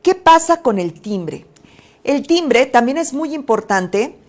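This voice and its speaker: A woman with a Mexican Spanish accent coaching an online audience on presence in front of the camera. Her voice sits a bit high, and she teaches in an emphatic, didactic way. She poses rhetorical questions and uses fillers as she explains. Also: expressive, slow, a little mellow. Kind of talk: webinar lesson.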